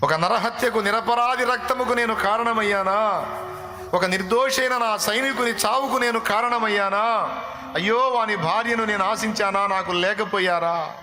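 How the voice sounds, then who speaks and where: A male preacher voicing a grief-stricken repentant king who begs God for forgiveness in high, wailing cries. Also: animated, moderate pace, creaky, noisy background. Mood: anguished pleading.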